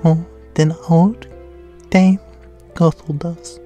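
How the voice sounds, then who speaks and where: Man putting on a high, sweet young maiden. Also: level tone, extremely slow, mellow, faint music behind. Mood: sweet, earnest. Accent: Australian. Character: sweet, guileless young maiden in a fairy tale. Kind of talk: storybook character voice.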